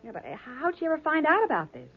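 An actress playing a spirited, inquisitive detective's assistant in a 1940s American radio drama, chatty in manner. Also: female voice, high-pitched, wildly swooping pitch, rapid-fire, exaggerated voice. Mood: curious. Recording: dull old radio recording.

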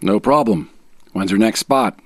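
A man's voice: fairly low pitch, measured pace, vocal fry, dry recording, studio quality. A man reading as an aggrieved husband in his normal voice, as a guest on a podcast. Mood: casual. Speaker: guest reader.

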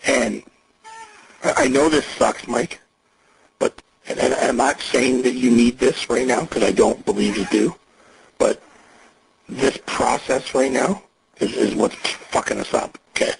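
Raspy man on a recorded payphone call. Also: mid-range voice, a little slow, long pauses, rough recording. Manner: reassuring, coaching, profane. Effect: recorded payphone call from a jail. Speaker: agent on a phone call.

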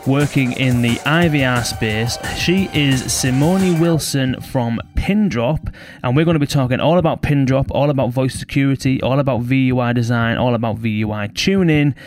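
A man with a cold hosts a podcast, and his voice comes out croaky. He talks in an upbeat, welcoming way, and clear music runs under his voice. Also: medium pitch. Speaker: podcast host. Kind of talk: podcast interview.

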